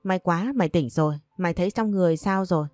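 A fretful young woman fussing over her friend, as a female storyteller puts her on, speaking in a hurried, worried way. The voice sits low and warm, with a dry, close sound. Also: dry recording, soft background music, close to an everyday voice. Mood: relieved. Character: anxious young woman friend, fussy and protective.

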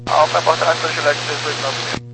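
A man's voice: fairly high pitch, little pitch movement, a little fast, gravelly. Male pilot reading back over radio. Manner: brief, businesslike readbacks. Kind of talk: clipped radio readbacks. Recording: scanner radio with static.

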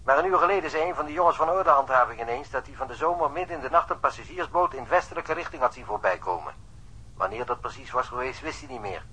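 A man's voice: medium pitch, lively intonation, fast talker, pushed and bright, slightly rough. An actor playing a diligent, eager policeman reporting over a telephone line in a radio drama. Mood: eager, matter-of-fact. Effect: telephone filter.

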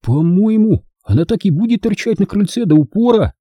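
A man voicing a nervous young boy who talks in an anxious hush. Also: high-pitched, animated, fairly quick, husky, dry recording, lo-fi sound, voice pushed up. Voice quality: hushed, anxious.

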